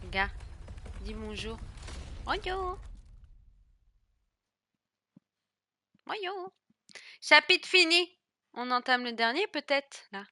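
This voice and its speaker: Young woman gaming streamer, bright clear voice, excitable chatter, a little background hum. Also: mid-range voice. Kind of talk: casual let's-play commentary.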